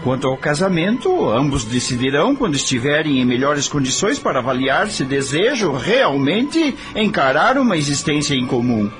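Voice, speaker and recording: Casting: earnest, repentant Brazilian husband and father, middle-aged, radio drama, highly varied intonation. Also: sing-song, moderate pace, hardly any pauses, fairly bright tone, faint music behind. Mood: earnest, firm.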